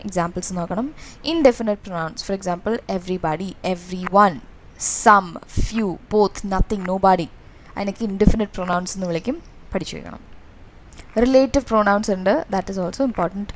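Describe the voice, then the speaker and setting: A woman's voice: mid-range voice, a little mellow. A woman with a Malayali accent coaching students through exam revision, explaining in a mix of Malayalam and English with many fillers. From Kerala, India.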